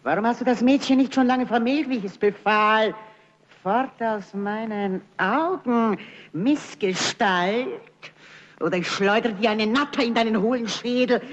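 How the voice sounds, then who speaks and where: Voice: mid-range voice, a little slow, lo-fi sound, natural voice. An actor playing a spiteful spirit of envy who declaims in grand stage fashion. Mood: furious. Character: spiteful spirit of envy, rejected suitor, theatrical.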